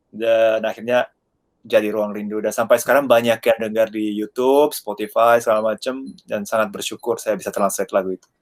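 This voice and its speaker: In a dry, close sound with no echo, a man with a Japanese accent speaks fairly quickly at a medium pitch with fairly even intonation. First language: Japanese (speaking Indonesian). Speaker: actor and former lecturer. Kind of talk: interview.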